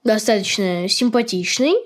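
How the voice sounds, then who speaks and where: A woman's voice: medium pitch, moderate pace. A woman co-hosting a podcast, explaining and retelling things in a casual chat style. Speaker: podcast co-host.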